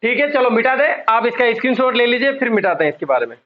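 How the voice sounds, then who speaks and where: Very high-pitched and very animated, this man's voice comes through with lo-fi sound. As a psychology teacher running an online exam-prep lecture, he repeats key terms, quizzes the class frequently, and draws out crucial words for emphasis.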